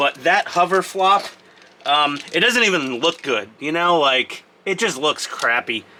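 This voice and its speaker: Against noticeable background noise, a man with an American accent and a fairly high pitch speaks at a fairly slow pace with lively intonation. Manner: casual, rambling, many filler words.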